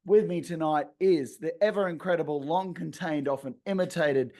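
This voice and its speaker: An Australian man hosting a sports podcast, hoarse after losing part of his voice, introducing the show like an announcer. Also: a little high, normal speed, warm tone. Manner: showman-style announcer intro, lots of yeah. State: hoarse, voice partly lost. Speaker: podcast host. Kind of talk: casual sports chat.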